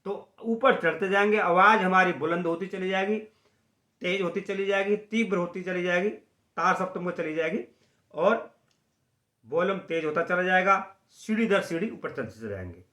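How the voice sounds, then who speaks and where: A man teaching a singing lesson at the harmonium, slowly explaining notes and singing short chant phrases. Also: sits high, bright, forceful tone, echoey room. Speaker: music teacher.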